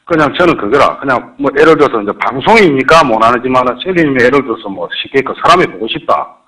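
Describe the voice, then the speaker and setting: A middle-aged man speaking a Korean regional dialect, phoning in to a live stream and rambling haltingly, often repeating himself. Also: mid-range voice, expressive, sharp tone, low-quality recording. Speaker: caller. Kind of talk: phone-in advice call.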